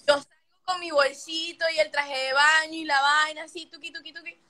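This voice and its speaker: A woman's voice: sits high, flat delivery, a little fast, pushed and bright. A young woman, hosting a livestream and telling a story casually and animatedly, swearing often and acting out the scenes. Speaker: livestream host.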